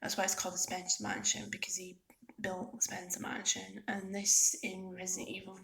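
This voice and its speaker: A woman gives a casual, soft-spoken ASMR ramble as a gaming vlogger, halting and informal, often slipping into a breathy near-whisper. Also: mid-range voice, monotone, poor audio. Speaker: video game vlogger.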